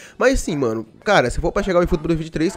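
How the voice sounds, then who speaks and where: A very fast pace with very wide pitch swings over light background noise. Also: man. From Brazil. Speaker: gaming YouTuber. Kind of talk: casual vlog commentary. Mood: complaining, opinionated. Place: home room. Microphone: studio mic.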